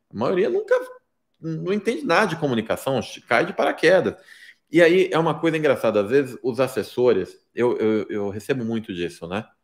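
Against a quiet background, a man with a fairly high pitch and vocal fry talks at a fairly quick pace, his pitch swinging very widely. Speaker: political marketing consultant. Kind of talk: live-stream lecture. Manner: direct, plain-spoken. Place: home room.

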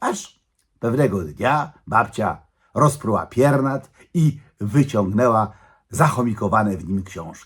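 Speaking very slowly with lively intonation, a man with a medium pitch sounds somewhat breathy as his loudness swings widely. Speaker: commentator. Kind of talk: spoken commentary.

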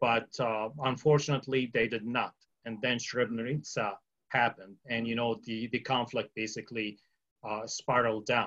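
A man talks at a moderate pace in a monotone with flat intonation. His pitch is medium, and the background is quiet. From Syria. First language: Arabic. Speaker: surgeon; panelist. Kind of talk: panel discussion. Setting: video call. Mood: serious, reflective. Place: home room. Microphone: video call.

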